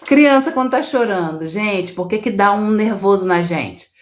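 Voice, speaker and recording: A woman's voice: mid-range voice, expressive, moderate pace, dull audio. Brazilian woman, middle-aged, therapist hosting a live stream; chatty, teacherly, lots of tag questions. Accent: Brazilian Portuguese. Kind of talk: casual live-stream talk, reading viewer comments.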